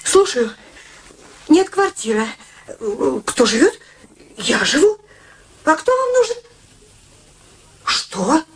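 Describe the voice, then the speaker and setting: A woman's voice: high-pitched, sing-song, takes it slowly, pauses often, crowd noise, heavily acted. An actress playing a proud, stubborn single woman in a radio play, with a sardonic, insistent manner. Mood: wry, hurt.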